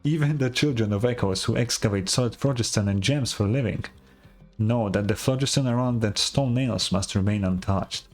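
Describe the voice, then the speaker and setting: A man voices an earnest tribal storyteller from a fantasy video game. His medium-pitched voice is solemn and measured as he recounts legends with reverence, music playing behind him. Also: close to an everyday voice. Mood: solemn, dramatic. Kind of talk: dramatic storytelling, scripted game dialogue.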